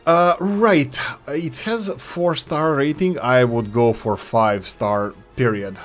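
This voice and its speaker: A man talks through game mods into a desk microphone. His voice sits at a middling pitch. He sounds chatty and enthusiastic, and he often stops and restarts his words. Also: takes it slowly, faint music behind. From Yugoslavia. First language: Serbo-Croatian. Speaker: gaming YouTuber reviewing mods. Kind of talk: casual gameplay commentary.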